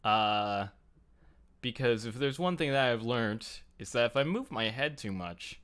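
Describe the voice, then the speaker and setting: A man with a smooth, clear voice hosts a casual online hangout. His pitch moves around in an animated way as he rambles through jokey, self-deprecating asides. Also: measured pace. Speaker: host of a fan livestream talk show. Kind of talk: casual group chat. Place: home computer setup, online group call. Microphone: headset.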